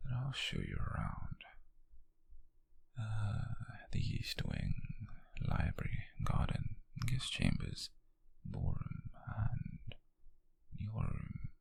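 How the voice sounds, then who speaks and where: In an intimate ASMR roleplay, a British man plays a wealthy, possessive nobleman, coolly controlling yet tender, murmuring slow, condescending endearments in a husky near-whisper. His lowish voice swings hugely in pitch and is exaggerated, with a smooth, welcoming mood.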